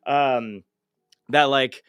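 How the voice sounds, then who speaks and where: A man's voice: medium pitch, fairly even intonation, extremely slow, fairly bright tone, clean tone, dry recording. A man hosting a casual livestream interview, talking informally and swearing freely. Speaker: show host and amateur voice actor.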